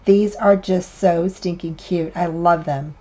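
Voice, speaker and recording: An older woman, hosting a card-making tutorial in a casual, rambling way with many fillers. Her voice is a little raspy and hoarse from a lingering cough. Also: fairly low pitch, fairly even intonation, slow, warm tone. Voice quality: slightly raspy. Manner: chatty, meandering, with many fillers and restarts. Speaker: craft channel host. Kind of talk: casual craft tutorial narration.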